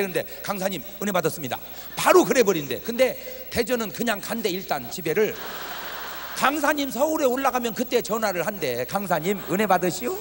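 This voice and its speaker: A man's voice: very high voice, a bit bright, a little hiss or hum. A male pastor preaching at a revival meeting, joking and quizzing the congregation with questions. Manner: humorous, teasing the congregation with questions. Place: church hall at a revival meeting. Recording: reverberant hall from a TV broadcast.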